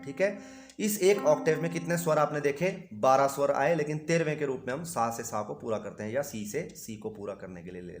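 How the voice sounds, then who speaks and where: A man with a mid-range voice explains music theory to students in a steady, patient way. He keeps posing simple questions and then answering them himself, and notes from an instrument sound between his phrases. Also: mid-range voice. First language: Hindi. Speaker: music teacher.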